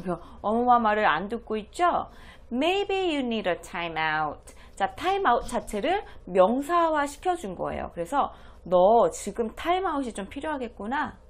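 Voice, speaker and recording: Female teacher, unhurried, repeats phrases carefully, animated up-and-down voice. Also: fairly high pitch. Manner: explains each phrase, repeats English lines slowly. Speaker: English teacher for parents. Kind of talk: slow, deliberate language lesson.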